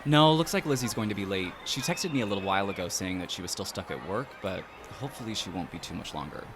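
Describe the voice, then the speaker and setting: A man's voice: sits low, lively intonation, quick pace. An actor playing an easygoing, friendly but hesitant young man in a naturally acted audio drama. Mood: cheerful, easygoing. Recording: clear outdoor ambience noise behind voice.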